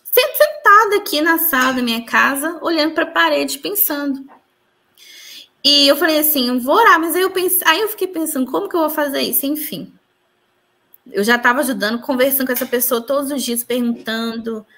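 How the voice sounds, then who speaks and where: A woman's voice: high voice, normal speed, sharp tone. A woman giving an earnest personal testimony in an interview, retelling events with quoted dialogue. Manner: earnest, tells her story with reported dialogue.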